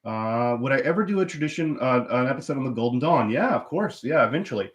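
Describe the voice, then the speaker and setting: Stuffed up with a cold, a channel host chats on his own live stream in a medium-pitched, quick voice with lively intonation, rambling through plenty of fillers and restarts. The recording is muffled.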